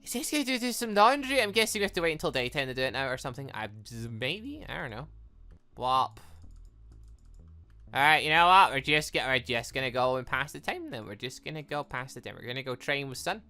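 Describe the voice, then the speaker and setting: A chatty gaming host with a bright, forceful voice and a very lively, swinging pitch. They ramble and think aloud in casual let's play commentary, excitable in manner, with music playing underneath. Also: brisk.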